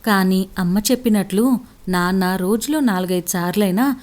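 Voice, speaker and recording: A woman's voice: mid-range voice, normal speed. Woman narrating a story steadily. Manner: steady, reflective first-person storytelling. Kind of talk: scripted narration.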